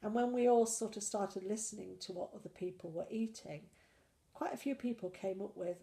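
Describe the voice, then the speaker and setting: A woman's voice: mid-range voice, normal speed, gravelly, dark tone. A woman with a cold chatting in a casual weekly diet vlog, rambling and self-deprecating. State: full of cold. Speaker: slimming vlogger.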